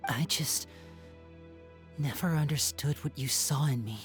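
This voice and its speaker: A man's voice: a little high, measured pace, soft background music, natural voice. A man voicing an earnest, respectful young man in a video game who speaks sincerely and doubts himself. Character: earnest young man, loyal adopted son.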